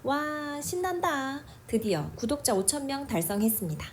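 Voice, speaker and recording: A woman's voice: sits high, lively intonation, slight background noise. A text-to-speech clone of a woman's voice reading short demo sentences evenly. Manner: slow, evenly read sample sentences. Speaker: AI-generated clone of the host's voice. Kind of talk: synthetic read-out demo lines.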